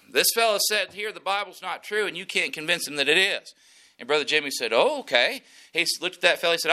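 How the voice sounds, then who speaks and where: A man preaches a sermon with a drawl, in a folksy storyteller's way. His voice sits a little high and sounds very bright and edgy. He moves from scripture into homespun anecdotes. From West Texas. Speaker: pastor.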